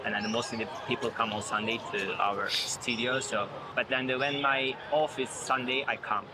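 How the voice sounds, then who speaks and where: A man's voice: mid-range voice, fairly even intonation, normal speed, heavy background noise. A man in his forties with a Turkish accent, casually explaining things in an interview. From Turkey. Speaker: restaurant owner interviewed for documentary.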